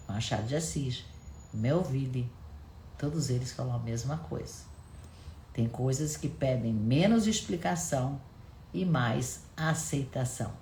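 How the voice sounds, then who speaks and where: A woman hosting a casual live stream, telling stories in an animated way and often adding tag questions. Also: low-pitched, reverberant, a little hiss or hum. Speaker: live-stream host discussing books and films. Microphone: camera at close range.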